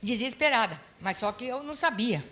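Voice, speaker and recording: High-voiced woman pastor preaching. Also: a little fast, slight background noise. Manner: lively storytelling, acts out quoted dialogue; swings from hushed to emphatic preaching. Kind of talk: sermon at a church seminar.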